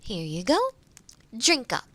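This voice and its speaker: A woman playing a kind, gentle witch in a fantasy audio roleplay, speaking to the listener in a reassuring, explanatory way. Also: mid-range voice, big pitch swings, slow. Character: kind, gentle forest witch guiding a transformation.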